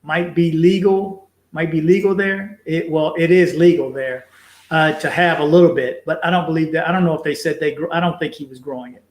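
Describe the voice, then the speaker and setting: A man hosts a casual live stream, reading viewer comments aloud and pausing on fillers as he goes. He talks in a chatty, repetitive way to drive his points home. His voice sits a little high, and the room around him is echoey. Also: steady tone. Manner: chatty, repeats himself for emphasis, many fillers. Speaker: livestream host reading viewer chat.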